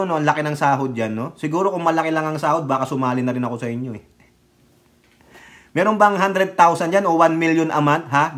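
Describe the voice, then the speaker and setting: A man with a Filipino accent and a high-pitched voice rants through the day's news on his vlog. His delivery is sarcastic and scolding, full of mocking asides and quick jabs, and he slips between Tagalog and English. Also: a bit bright. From Philippines. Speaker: political vlogger. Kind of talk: ranting commentary on news.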